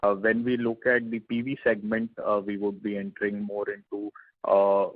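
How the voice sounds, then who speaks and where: Exec guy on an earnings call, low husky voice, thin phone audio, explains stuff formally and carefully. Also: monotone, normal speed, no room sound. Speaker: company executive. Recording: narrowband phone conference line.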